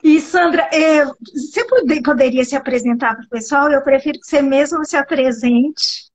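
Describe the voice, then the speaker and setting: A woman hosting an interview, gracious and warm, laughing easily. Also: high voice, moderate pace, poor audio. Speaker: host, interviewer. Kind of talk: friendly interview.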